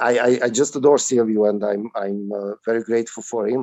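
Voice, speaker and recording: Speaking with a Hungarian accent, a man keeps a medium pitch, fairly even intonation and a moderate pace. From Hungarian community in Romania. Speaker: actor. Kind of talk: interview in a webinar. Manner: halting, many fillers.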